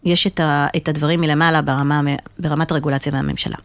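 A woman's voice: low-pitched, fairly even intonation, dry recording. A woman speaking Hebrew with a slight French-sounding lilt, giving emphatic, businesslike answers as an interview guest. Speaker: marketing executive, interview guest.

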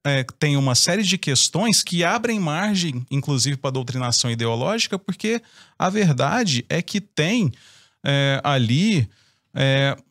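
A man's voice: on the high side, animated, a little slow, fairly bright tone, no echo, studio quality. A Brazilian man in casual discussion, explaining his views at length in an opinionated way. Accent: Brazilian Portuguese.

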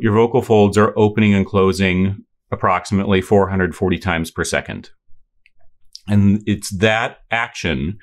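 A man's voice: on the low side, fairly bright tone. A middle-aged man explaining voice science in an interview, thoughtful, with many fillers and restarts. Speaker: voice science expert.

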